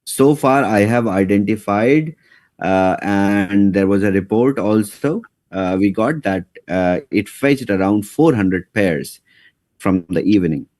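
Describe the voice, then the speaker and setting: A man hosting an online update call, answering questions with brief, relaxed replies. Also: on the low side, measured pace, no room sound. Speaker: host.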